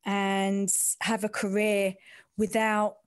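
A woman with an East London, Essex-style accent speaks candidly in an interview. Her pitch is average and the sound is dry and close. She talks in an informal, frank, working-class way. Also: little pitch movement, slow pace, clean tone, dry recording. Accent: East London, Essex-like twang. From East End of London, England. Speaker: sports reporter interviewee.

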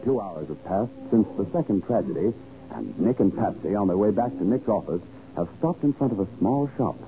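A man's voice: fairly low pitch, expressive, brisk, noisy background. A man narrating a radio crime drama in a theatrical, polished 1940s announcer style. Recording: narrow, tinny 1940s radio recording.

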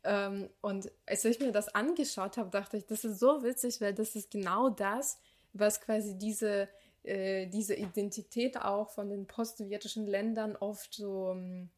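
Young adult woman, podcast co-host, thoughtful, hesitant, filler-heavy, mid-pitched. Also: fairly even intonation, measured pace, a little mellow. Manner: thoughtful, many fillers and restarts. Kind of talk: casual conversational podcast.

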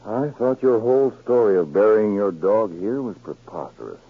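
An actor playing a stern, commanding government counterspy chief in a 1940s radio drama, with clipped, deliberate speech. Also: male voice, fairly low pitch, lively intonation, breathy edge. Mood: formal, measured. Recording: scratchy, narrow-band 1940s radio recording.

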